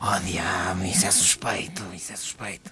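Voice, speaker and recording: Whispering in a put-on character voice, the speaker goes at a moderate pace with music in the background. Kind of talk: casual, comedic. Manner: odd, put-on tone.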